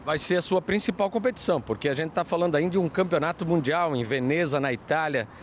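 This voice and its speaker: Southern brazilian reporter guy, talks fast, bit high, traffic hum behind. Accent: Southern Brazilian Portuguese. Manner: quick, chatty questioning. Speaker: field reporter. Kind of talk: street interview questions.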